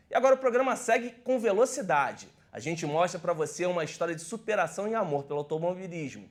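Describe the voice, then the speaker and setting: Apresentador de esportes de voz aguda. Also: male voice, high-pitched. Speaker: news presenter. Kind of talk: news program presenting.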